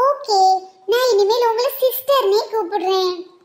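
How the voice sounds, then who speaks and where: This woman puts on a squeaky, cartoonish character voice, pitched extremely high and delivered at a fairly slow pace. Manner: mixing English and Tamil.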